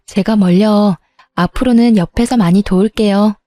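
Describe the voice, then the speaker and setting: Woman telling a story steady and even, mellow voice, dry close mic, faint music. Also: medium pitch, measured pace, no room sound. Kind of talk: dramatized story narration.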